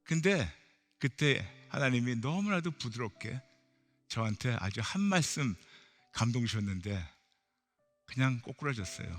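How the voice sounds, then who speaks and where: A male pastor preaching a sermon with emphatic, repetitive, animated storytelling. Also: medium pitch, measured pace, long pauses. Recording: long hall reverb, faint music.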